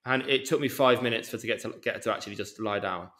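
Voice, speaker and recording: A man from England with a mild Birmingham accent, a yoga teacher chatting as a podcast guest, speaking deliberately and a little slowly. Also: fairly low pitch, a bit bright, a little hiss or hum. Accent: mild Birmingham English. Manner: deliberate, slowed speech for international listeners. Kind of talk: casual interview chat.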